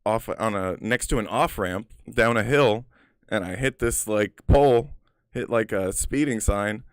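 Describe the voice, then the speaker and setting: A man's voice: on the low side, unhurried, clean tone, no room sound, studio quality. A man casually telling personal stories in a rambling, profane way, full of filler words. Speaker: storyteller.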